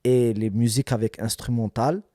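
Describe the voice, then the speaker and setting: A man's voice: mid-range voice, fairly even intonation, moderate pace, warm tone, dry recording, clean studio sound. A man talking casually as a rapper being interviewed, emphatic, often repeating phrases and checking that he is understood.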